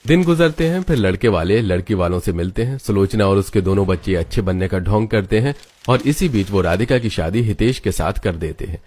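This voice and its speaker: A man giving scripted story narration in an even, matter-of-fact way. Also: lowish voice, fairly quick, few pauses.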